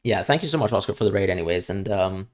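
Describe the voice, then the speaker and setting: Young male streamer from Hong Kong, international school accent, lowish voice, casual Q&A chatter. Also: lively intonation, fast talker. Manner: chatty, repeats words when starting sentences. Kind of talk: live-stream Q&A chat.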